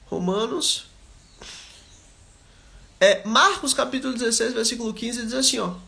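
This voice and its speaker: A man's voice: very high voice, a little slow, vocal fry, bright, forceful tone. A man preaching a live Bible study, talking directly to his listeners and repeating his points with emphasis. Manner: repetitive, emphatic exhortation; conversational, addresses listeners directly.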